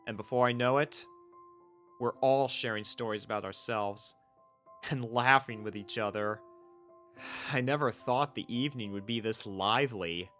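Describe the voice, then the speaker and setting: Casting: male narrator for romantic fan fiction; mid-range voice, earnest and sentimental, soft music bed. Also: mid-range voice, normal speed. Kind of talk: scripted first-person story narration.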